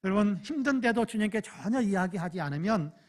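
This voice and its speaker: Fervent Korean pastor preaching. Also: male voice, high voice, expressive, fairly quick. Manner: earnest preaching, swings between loud fervent prayers and quiet asides. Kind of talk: sermon. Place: church.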